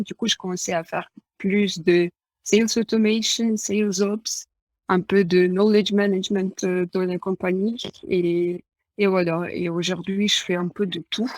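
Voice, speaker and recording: A woman's voice: medium pitch, a little mellow, no room sound. A young woman in her twenties from Ukraine with a Ukrainian accent, answering interview questions in a casual, hesitant way with many fillers. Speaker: guest.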